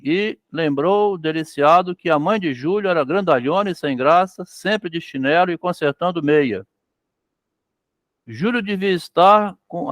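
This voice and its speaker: A man's voice: a little high, dry recording, studio quality. Brazilian man reading and explaining a story. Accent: Brazilian Portuguese. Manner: reads passages and breaks off to explain, frequent "né?"; acts out the characters' lines in the story. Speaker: literature lecturer. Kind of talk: reading a story aloud with commentary.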